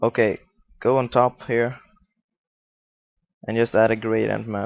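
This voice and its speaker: A man with a Swedish accent, medium pitch and monotone, flat intonation. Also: fairly slow pace. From Sweden. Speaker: graphics tutorial youtuber. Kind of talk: tutorial. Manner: casual, halting with fillers.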